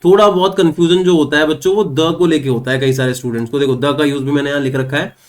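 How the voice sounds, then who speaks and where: Fairly high-voiced man teaching English grammar. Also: steady tone. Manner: explains step by step, asks and answers his own questions; reads English example sentences slowly and clearly. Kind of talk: online exam-prep lesson.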